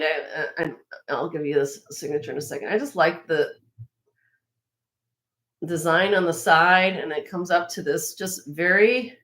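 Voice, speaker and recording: Slightly raspy woman showing jewelry. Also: on the low side, a bit bright. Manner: chatty, admiring, with frequent fillers and restarts. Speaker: host of a live jewelry sale. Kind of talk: casual show-and-tell product presentation.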